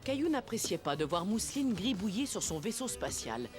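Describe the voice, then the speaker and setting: An actress plays a kindly female narrator of a preschool cartoon. Her mid-pitched voice moves expressively through scripted storybook lines, with music playing behind it. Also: sing-song, fairly quick, natural voice. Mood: storytelling.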